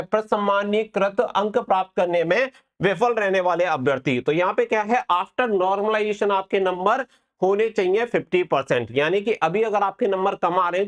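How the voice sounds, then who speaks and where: A man hosting an exam-prep update, explaining things to students step by step and repeating key points. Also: high-pitched. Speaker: exam-prep channel host.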